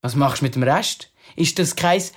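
A woman's voice: rumbling low, moderate pace. A woman playing Leo, a cheeky, teasing boy in a children's radio play. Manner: teasing, playful.

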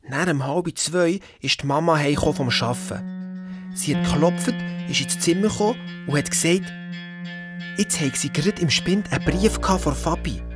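A woman's voice: low-pitched, normal speed, close to an everyday voice. A woman voicing a troubled young boy in an audio drama, narrating earnestly in a Swiss German accent. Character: boy, about twelve, torn and secretive. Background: background music.

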